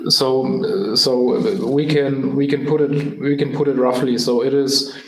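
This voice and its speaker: A man answers on an earnings call in a roomy, echoing space. His pitch barely moves and his delivery is slow and halting, with repeated words. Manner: halting, repetitive, hesitant delivery. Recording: roomy, echoey conference call.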